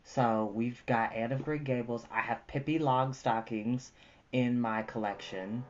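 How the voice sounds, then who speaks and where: A livestream host of about thirty chatting casually and exclaiming in an animated, talkative way. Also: mid-range voice, measured pace, highs cut off, slight background noise. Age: 30s. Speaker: livestream host who reads books aloud. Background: prominent jazz music.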